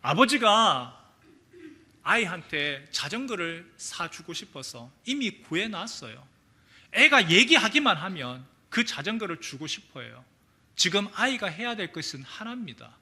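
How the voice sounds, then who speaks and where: A male pastor preaching a sermon in a church, with dramatic rises and hushed drops in his delivery. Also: high-pitched, very animated, moderate pace, breathy edge. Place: church sanctuary.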